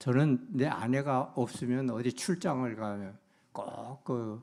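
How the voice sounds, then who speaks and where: The man's voice has a dark, mellow tone. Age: 80s+. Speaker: pastor. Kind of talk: sermon. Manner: conversational, anecdotal.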